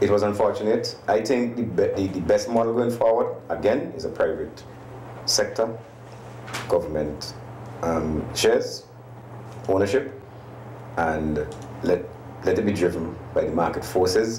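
Amid light background noise and audible room echo, a man talks at a moderate pace with long, frequent pauses. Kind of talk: interview answer. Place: studio.

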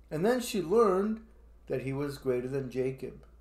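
Speaking at a moderate pace, a man is heard with audible room echo around him. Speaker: preacher. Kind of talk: sermon. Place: home room.

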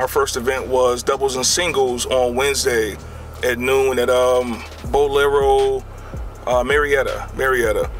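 A man is talking while faint music can be heard behind him. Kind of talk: casual vlog chat. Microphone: phone near.

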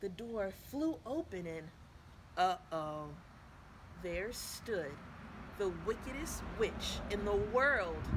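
A somewhat breathy woman speaks at a very slow pace with very wide pitch swings and long, frequent pauses, over noticeable background noise. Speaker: storyteller. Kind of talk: children's story read-aloud. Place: street. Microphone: camera far.

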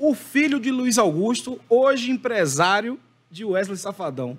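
A man talks fairly slowly, his high-pitched voice carrying lively intonation. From Brazil, Salvador, Bahia. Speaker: axé musician; podcast guest. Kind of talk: casual chat. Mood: lively, amused storytelling. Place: studio. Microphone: studio mic.

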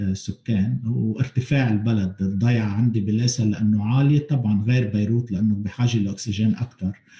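A man's somewhat breathy voice with a dark, mellow tone and fairly even intonation at a moderate pace, with audible room echo over a quiet background. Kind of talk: lecture. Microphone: webcam.

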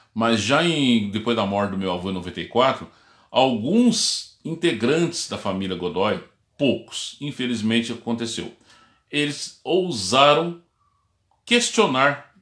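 A man speaks at a very slow pace with lively intonation. The background is quiet, but there is audible room echo. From Brazil, São Paulo state interior (Vale do Paraíba); São Paulo state, Brazil. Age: 50s. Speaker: teacher and local historian; teacher. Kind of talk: memorial tribute livestream talk. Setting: Facebook live from home study. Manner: hesitant, with many fillers. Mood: reverent, reminiscing. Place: home room. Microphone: webcam.

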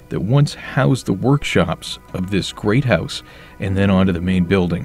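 Faint music sits behind a man speaking. He keeps a moderate pace, and the sound is dry with no echo. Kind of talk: exploration commentary. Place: forest.

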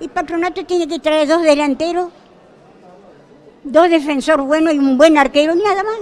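An extremely high-pitched woman's voice at a moderate pace, with fairly even intonation and long, frequent pauses. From Argentina. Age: old. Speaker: folk healer. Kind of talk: interview answer. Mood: cheerful, chatty. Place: hall. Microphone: handheld.

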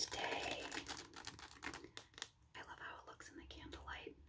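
Whispering comes from a woman. She keeps a fairly slow pace. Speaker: ASMR tarot reader. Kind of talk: whispered tarot reading. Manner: whispered, soft-spoken. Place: home room. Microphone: phone near.

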